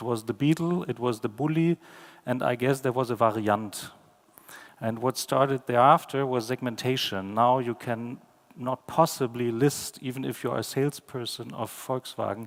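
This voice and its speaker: Speaking at a moderate pace in a German accent, a man keeps a medium pitch and fairly even intonation. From Germany. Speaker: newspaper publisher. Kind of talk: conference talk. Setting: stage with audience. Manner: hesitant, many fillers.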